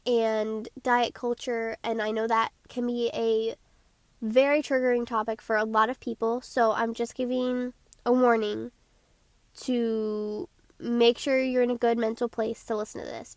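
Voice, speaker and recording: A woman's voice: a little high, dry recording. A teenage girl from Georgia hosting her own podcast, chatting in an eager, bubbly way with a stuffy nose. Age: teens. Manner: bubbly, eager, talks quickly. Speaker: podcast host. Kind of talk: casual solo podcast chat.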